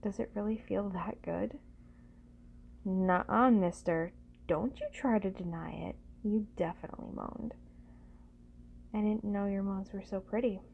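A woman playing a doting, teasing lover in an intimate ASMR roleplay, speaking gently and soothingly in a breathy voice that often slips into whispers. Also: mid-range voice, unhurried, pauses often, narrow, tinny audio, a little hiss or hum. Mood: gentle, teasing.

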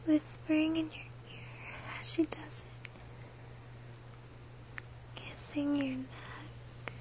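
Slow whispering woman, lo-fi. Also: high-pitched, level tone. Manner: slow, breathy, close whisper. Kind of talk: whispered intimate erotic audio.

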